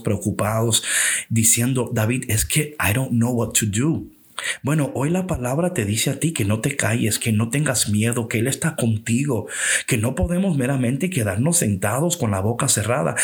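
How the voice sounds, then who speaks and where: A middle-aged man, a pastor, preaching an earnest, exhorting podcast sermon. He slips into English phrases now and then and closes in prayer. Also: mid-range voice.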